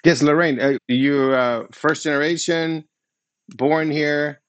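A man's voice: on the high side, fairly even intonation, takes it slowly, no room sound. Upbeat male podcast host, dry sound. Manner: upbeat, welcoming, asks follow-up questions. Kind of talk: friendly interview hosting.

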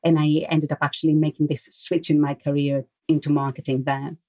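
Brief: Greek-accented woman guest with a low voice, careful and explanatory. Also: flat delivery, warm tone. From Greece. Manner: measured, explanatory, slightly hesitant. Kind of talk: interview answers.

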